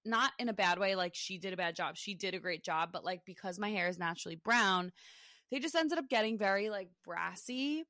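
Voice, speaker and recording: A young woman in her twenties hosting a casual podcast chat, rambling with plenty of fillers and quick laughs. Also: medium pitch, bright, forceful tone, dry recording. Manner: chatty, lots of fillers and laughs. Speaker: podcast host.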